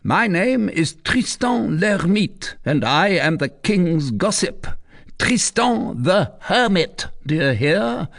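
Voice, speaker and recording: A man's voice: sits high, sing-song, takes it slowly, creaky, a bit bright, no echo, clean studio sound, pitched above the performer's own voice, full character voice. A man voicing a harsh, threatening provost commander who interrogates an old woman. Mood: menacing. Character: harsh middle-aged male provost commander, menacing.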